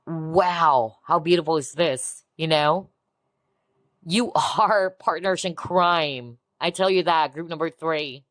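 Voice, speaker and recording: A woman giving a collective tarot reading in a soft, reassuring way, often breaking into amazed exclamations. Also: deep voice, takes it slowly, no echo, clean studio sound. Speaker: tarot reader. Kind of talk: pick-a-card tarot reading.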